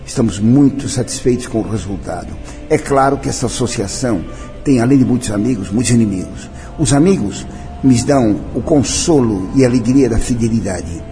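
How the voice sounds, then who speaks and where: A man's voice: mid-range voice, expressive, a little fast, dark tone, soft background music. An older man from Brazil, head of a Catholic association, speaking in a solemn, declamatory way during an interview. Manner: solemn, declamatory, mixing in French and Italian phrases. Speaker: president of a Catholic cultural association. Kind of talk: interview, personal reminiscence.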